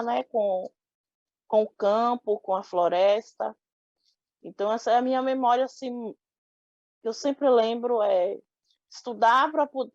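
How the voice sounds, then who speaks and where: In an oral history interview, a young woman from Salvador, Bahia, in Brazil, reflects thoughtfully, restarting often and saying "né" frequently. She has a fairly high, darkish voice, and the recording is muffled with no room sound.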